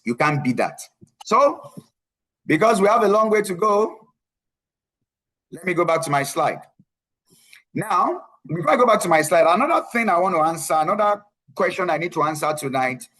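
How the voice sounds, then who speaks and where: A man's voice: fairly high pitch, fairly bright tone, rough recording. A man coaching a live online class on tech careers, speaking emphatically, repeating key phrases and often checking in with "right?". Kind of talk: live online presentation with screen share.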